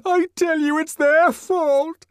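A man's voice: sing-song, normal speed, darkish tone, dry recording, clean studio sound. A man voicing a hysterical young man who begs and sobs in frantic panic. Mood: panicked pleading. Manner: shrill, sobbing, frantic begging.

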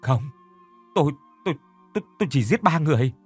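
A man's voice: medium pitch, big pitch swings, a little fast, slightly rough, no room sound, faint music behind. A man playing a stammering, frantic murderer. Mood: panicked denial. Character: panicked haunted male murderer.

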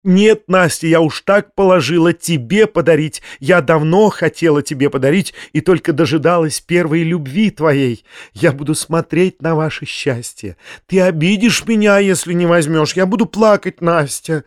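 Guy putting on a high squealy gushing old-maid lady, all exclamations, dry close sound. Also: lively intonation, measured pace, few pauses, no echo. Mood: gushing, ecstatic. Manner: ecstatic, shrill, exclamatory. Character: excitable gushing lady, middle-aged spinster.

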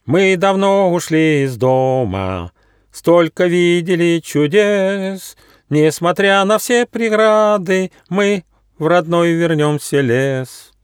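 A man voicing an excitable young squirrel in a children's storybook. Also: normal speed, hardly any pauses, no echo, studio quality, natural voice. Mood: singing. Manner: high, excited, exclaiming.

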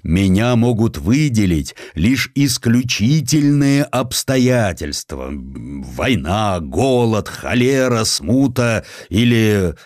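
A man voicing a self-important, blustering governor with a pompous, drawn-out, declamatory delivery in a radio play. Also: lowish voice, big pitch swings, a little mellow, no echo, clean studio sound. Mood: brooding, scheming.

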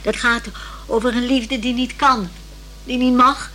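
An older, old-fashioned lady with a rather high voice. She rambles hesitantly, with a wistful, romantic streak, in naturalistic radio drama. The recording has faint noise and hum. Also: fairly even intonation, unhurried, pushed and bright, low-quality recording. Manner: hesitant, rambling, sighing over modern youth. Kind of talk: naturalistic radio play dialogue.

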